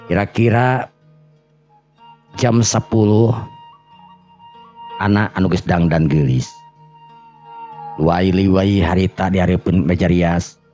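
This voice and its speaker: A man from West Java with a Sundanese accent tells a story informally, halting often to repeat and correct his words. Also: low-pitched, dark tone. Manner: halting, repetitive, self-correcting. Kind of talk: informal oral storytelling narration. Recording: dull lo-fi audio under music. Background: background music.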